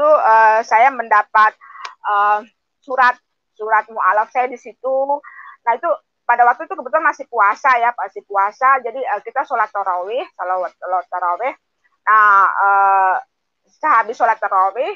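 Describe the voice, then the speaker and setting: A woman in her fifties telling a personal testimony in speech, animated and often acting out quoted dialogue in a higher voice. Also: dry recording, muffled recording. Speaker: guest sharing a testimony.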